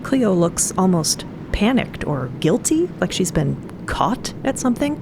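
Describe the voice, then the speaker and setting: A woman delivers scripted storytelling narration for an audio drama. The voice sits at a middle pitch with plenty of creak, set over clear ambient noise. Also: very animated, a little slow.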